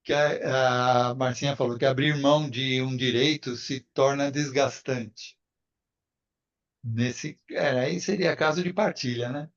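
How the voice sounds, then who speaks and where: A man's voice: medium pitch, a little slow. A man joining a group talk as a participant, hesitantly passing on a comment. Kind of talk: casual comment in a group call. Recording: dull lo-fi call audio.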